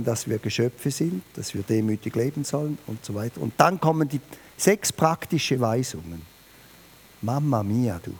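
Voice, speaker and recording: A man preaching a New Year sermon, emphatic and lively, speaking directly to his listeners. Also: gravelly, slightly rough. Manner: lively, emphatic, varies pitch and volume, addresses listeners directly.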